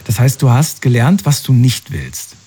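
A man hosting a call-in radio show, giving callers empathetic advice and coaxing them with questions that swing up in pitch. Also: very animated, moderate pace, warm tone, breathy edge.

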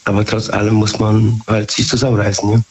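Hoarse male caller, slightly low voice, muffled phone line. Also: monotone, a little mellow. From Germany. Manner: halting, ungrammatical German, repeats "ja".

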